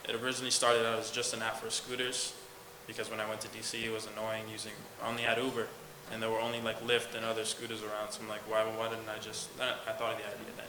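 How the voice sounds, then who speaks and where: Fast, flat-toned young man, echoey room. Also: fairly low pitch. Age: young adult. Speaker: student contestant answering judges' questions. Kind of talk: unscripted question-and-answer. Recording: roomy, echoey, clearly noisy live recording.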